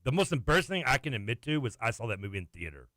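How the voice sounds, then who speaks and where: A man's voice: medium pitch, rapid-fire, no echo. A man co-hosting a sports radio show, joking about himself and laughing often. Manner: excitable, self-mocking, laughs often. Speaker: radio co-host. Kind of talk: casual radio banter. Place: radio studio. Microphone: studio microphone.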